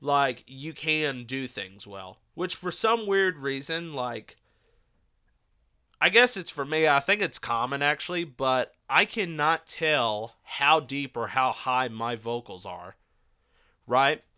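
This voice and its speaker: A man's voice: mid-range voice, expressive, slow pace, pushed and bright, clear, resonant tone. A young man hosting his own podcast, chatting casually and rambling with lots of fillers. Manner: rambling, loose with many fillers and asides. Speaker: podcast host. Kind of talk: casual solo podcast talk.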